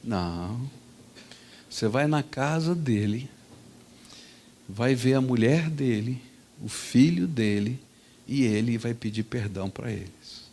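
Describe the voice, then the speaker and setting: A man voicing a calm, stern father who speaks low, slow and firm.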